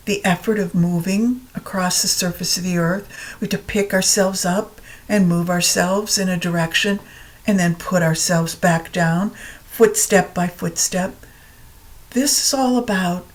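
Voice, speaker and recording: A woman teaching yoga nidra, guiding a meditation in a calm, soothing, unhurried way with long pauses. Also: fairly low pitch. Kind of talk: guided meditation narration.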